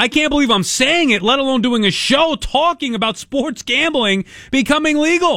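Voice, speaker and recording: A man with an American accent uses a raised, projected voice at an extremely high pitch and moderate pace. His intonation is lively while the loudness stays very even. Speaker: sports radio host. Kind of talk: sports talk radio call-in show. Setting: studio. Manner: casual, rambling.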